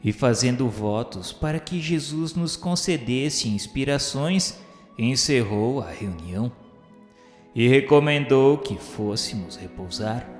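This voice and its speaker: A Brazilian man giving a formal, measured, literary narration for a radio drama. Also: mid-range voice, animated. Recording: echoey hall reverb under music. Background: music.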